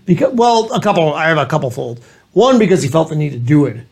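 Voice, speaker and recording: A high-voiced man with a New England accent, joining a friend for a casual chat over drinks. He is sarcastic and jokey and slips into put-on voices for comedy. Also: very animated, fast, vocal fry, darkish tone, slightly rough. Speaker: co-host.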